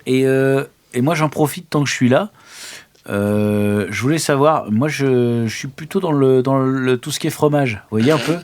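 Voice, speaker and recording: A man takes part in an improvised audio roleplay as a player. His banter is casual and deadpan, slipping in and out of character. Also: mid-range voice, moderate pace.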